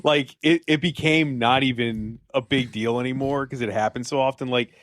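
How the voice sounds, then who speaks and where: Podcast guest, man, middle pitch, rambling anecdotal delivery, close dry mic. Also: steady tone, normal speed, fairly bright tone, dry recording. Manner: rambling anecdotes with frequent restarts. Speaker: guest filmmaker. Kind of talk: casual podcast chat.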